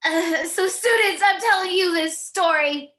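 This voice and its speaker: A woman's voice: very high voice, a little slow, a bit bright. A woman acting a young girl in a script table read. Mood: earnest.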